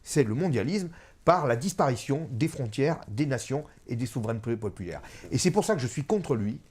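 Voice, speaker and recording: A middle-aged man discusses politics with conviction, repeating key phrases and filling pauses with hesitations. His pitch swings widely as he presses his points. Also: animated, a little mellow, breathy edge. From France. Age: 50s. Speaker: author and guest.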